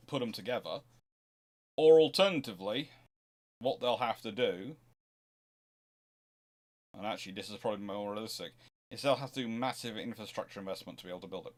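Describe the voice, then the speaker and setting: A man hosting an informal expert question-and-answer talk, discursive and often breaking off to rephrase his sentences as he thinks aloud. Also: on the low side. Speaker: host answering viewers' history questions.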